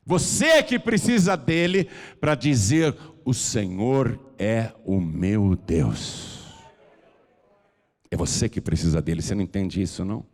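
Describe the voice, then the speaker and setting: A Brazilian man with a mid-pitched voice preaches a sermon, fervent and urgent. He drops into soft pleading, then swells into loud calls to come forward. A long church-hall reverb trails each phrase. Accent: Brazilian Portuguese. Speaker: pastor. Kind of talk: preaching a sermon with an altar call.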